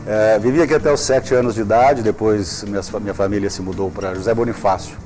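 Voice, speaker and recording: A man, a prosecutor guest in a studio interview, speaking in a measured, formal way with frequent hesitations. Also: fairly low pitch, fairly even intonation, music in the background. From Brazil. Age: 50s.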